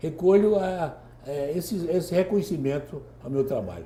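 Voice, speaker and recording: A somewhat breathy man with a dark, mellow tone speaks fairly slowly with very wide pitch swings, with audible room echo. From Alagoas, northeastern Brazil. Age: 70s. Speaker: writer and journalist. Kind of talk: interview. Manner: halting, repeats words.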